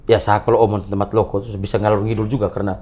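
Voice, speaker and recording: A man's voice: lowish voice, level tone, racing. A young man, a Catholic priest, telling stories in a casual comic chat and laughing often. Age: young adult. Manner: laughs often, warm storytelling. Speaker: Catholic priest, podcast guest.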